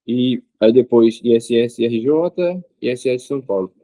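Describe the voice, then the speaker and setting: A man, an interview guest speaking in a measured way with frequent pauses and filler sounds. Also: mid-range voice, dark tone, no room sound. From Rio de Janeiro state, Brazil. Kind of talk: casual interview answers.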